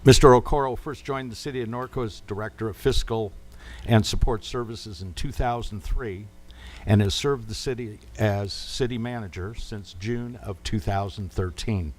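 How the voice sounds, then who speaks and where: A man's voice: lowish voice, moderate pace, a little mellow. A man with an American accent chairing a formal council meeting as mayor, making announcements and introductions. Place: indoor city council meeting. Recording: noisy council chamber microphone with hum.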